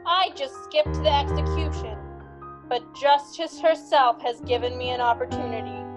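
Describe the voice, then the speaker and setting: A woman plays a fanatical vigilante judge in a radio drama, pitched high and set over music. The delivery is grandiose and deliberate, preaching with cold, murderous righteousness. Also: lightly acted. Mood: menacing, triumphant.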